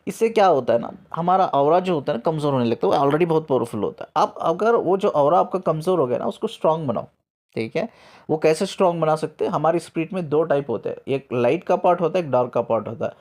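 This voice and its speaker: A man's voice: fairly high pitch, fast talker. Man telling spiritual stories. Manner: lively storyteller mixing in English words; repeats himself often to stress a point. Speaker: spiritual coach. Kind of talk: storytelling talk.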